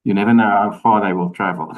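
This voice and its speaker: Low-voiced man interviewing conversationally. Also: narrow, tinny audio. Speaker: interviewer, shortwave channel host.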